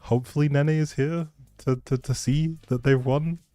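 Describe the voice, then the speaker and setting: A man's voice: medium pitch, fairly even intonation, normal speed, dark tone, dry recording, soft background music. A man hosting a livestream in a chatty, rambling, informal way, as if talking casually with viewers. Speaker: livestream host. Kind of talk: casual livestream chat, giveaway announcing.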